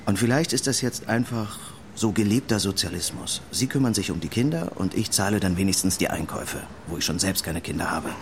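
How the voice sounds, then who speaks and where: Deep-voiced, breezy man over noisy ambience. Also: fairly quick, hardly any pauses. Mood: nonchalant, generous. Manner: casual, nonchalant, colloquial. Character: easygoing, helpful male supermarket customer, breezily flirtatious. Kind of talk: naturalistic German radio drama acting.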